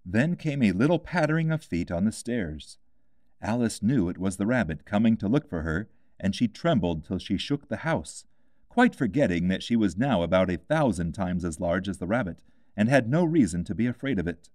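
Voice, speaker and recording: Guy reading a kids classic audiobook, lowish voice, very animated, dry recording. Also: moderate pace, no echo. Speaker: audiobook reader. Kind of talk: scripted storybook narration.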